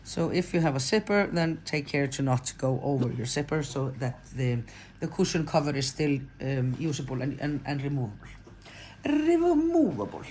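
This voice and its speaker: A woman in her forties with an Icelandic accent and a low-pitched voice, talking through a crafting tutorial. She speaks casually and rambles, correcting herself and filling gaps as she goes. Faint background noise sits under her voice. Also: normal speed, a little mellow. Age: 40s. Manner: chatty, rambling, self-correcting with fillers. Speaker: crochet pattern designer.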